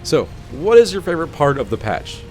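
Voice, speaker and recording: A man's voice: fairly high pitch, big pitch swings, a little fast, a little mellow, slight background noise. A man hosting a gaming video, reading scripted update narration in an informal presenter style. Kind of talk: scripted patch-notes narration.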